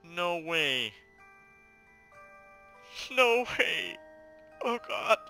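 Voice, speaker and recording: Expressive man doing excited gameplay commentary over music. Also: on the high side, very slow. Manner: expressive, exclaiming. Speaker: let's player.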